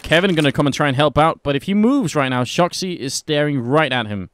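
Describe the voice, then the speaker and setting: A man commentating a live esports match, brisk play-by-play that lifts in energy during the action, on a headset mic. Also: a little high, lively intonation, a bit bright, a little hiss or hum.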